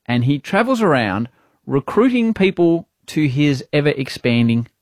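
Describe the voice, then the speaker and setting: A man's voice: a little high, sing-song, normal speed, no echo, studio quality. An Australian man hosting a casual radio chat, joking and asking teasing questions with frequent laughter. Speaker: radio host. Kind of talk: casual banter.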